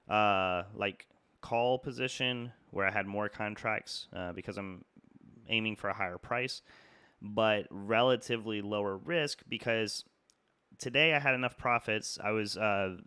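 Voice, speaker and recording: A young man, congested from a cold, rambles casually through a market analysis with plenty of "uh"s and "like"s. His voice sits a little low but comes across bright and smooth. The recording is dry and close. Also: measured pace, dry recording. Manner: casual, rambling, many fillers and restarts. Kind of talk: casual trading chart talk.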